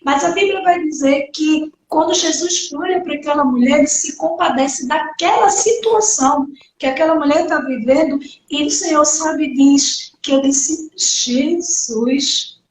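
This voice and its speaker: A woman's voice: high voice, unhurried, a little hiss or hum. A woman pastor preaching an earnest sermon, often tagging her sentences with "né" and acting out quoted voices. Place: church hall. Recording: echoey church hall from far off.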